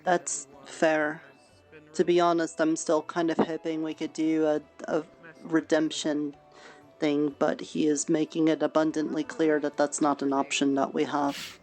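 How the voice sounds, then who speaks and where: Low-voiced woman, soft and hesitant. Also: level tone, unhurried, soft background music. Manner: hesitant, restarts often, soft reassuring tone. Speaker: roleplay player running a farm. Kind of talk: casual in-character roleplay chat. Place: online virtual world voice chat.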